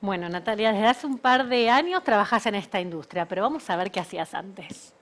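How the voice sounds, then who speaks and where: A woman's voice: mid-range voice, expressive, fairly quick, a bit bright. A woman with an Argentine accent hosting a panel and asking guests friendly questions. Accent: Argentine Spanish. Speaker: event host and moderator. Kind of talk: panel moderation.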